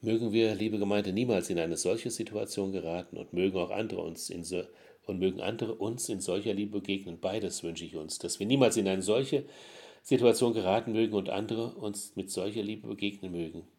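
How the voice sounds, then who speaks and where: Male pastor, low husky voice, earnest sermon with swelling emphasis. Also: a little fast. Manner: earnest preaching with strong swells in loudness and pitch.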